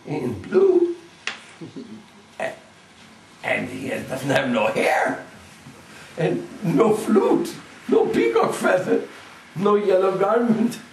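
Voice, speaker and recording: A tearful young beloved speaks in high, wondering exclamations, as a man puts her on while telling a story. The voice keeps a gravelly grain. The echoey room and far-off mic add distance. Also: wildly swooping pitch, moderate pace, hardly any pauses, a little hiss or hum, exaggerated voice. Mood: amazed. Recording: roomy, distant mic, faint ambience.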